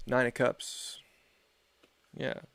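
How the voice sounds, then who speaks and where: An astrology reader gives a casual, rambling forecast on a livestream, laid-back and full of fillers, while his voice is wearing thin. He speaks extremely slowly in a somewhat bright tone, with no echo.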